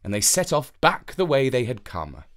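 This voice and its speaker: A woman narrating a children's fairytale as an expressive storyteller. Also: extremely low pitch, moderate pace.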